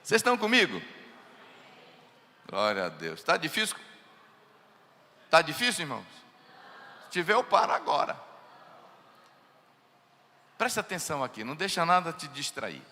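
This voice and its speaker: Animated pastor in an echoing hall. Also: male voice, fairly high pitch, normal speed, pauses often. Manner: animated, mimics family members in quoted voices, asks the congregation questions. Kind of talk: sermon. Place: church hall. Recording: long echoing church hall.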